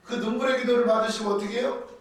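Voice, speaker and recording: High-voiced male preacher in an echoey hall. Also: racing, distant mic. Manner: lively storytelling, acts out Bible quotes. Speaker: pastor. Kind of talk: sermon teaching on doctrine.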